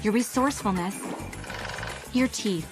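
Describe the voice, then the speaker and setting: Female host acted for a sentimental comedy tribute voice-over, mid-range pitch, music underneath. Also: measured pace, natural voice. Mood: sentimental, wry. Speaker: host narrating a clip montage. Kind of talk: scripted sentimental tribute narration with dry jokes. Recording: music behind the voice.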